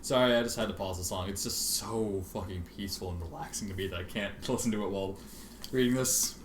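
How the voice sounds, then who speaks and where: A man reading fan fiction aloud in an expressive, sardonic manner, with casual asides. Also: lowish voice, fast talker. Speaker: amateur fan fiction reader. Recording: roomy, faintly noisy home recording.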